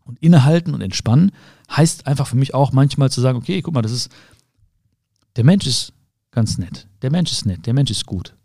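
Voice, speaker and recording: A man with a warm, mellow voice talks the listener through a quiet self-help monologue. He speaks calmly to them as a friend, circling back to rephrase each point. The sound is close and dry, with no room around it. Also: mid-range voice, fairly quick, dry recording. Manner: calm, addresses the listener directly, rephrases often. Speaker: podcast host.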